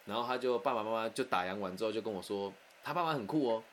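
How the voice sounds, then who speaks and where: A man telling a personal anecdote in a candid, animated, conversational way. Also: on the low side, quick pace, a little hiss or hum. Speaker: storyteller.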